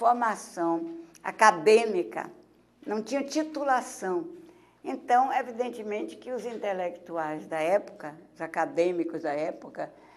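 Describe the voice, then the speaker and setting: Her voice is fairly high, with very wide pitch swings. The woman speaks at a fairly slow pace. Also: big swings in loudness. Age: 80s+. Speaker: retired professor. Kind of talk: interview, oral history recollection. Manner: halting, with many repetitions.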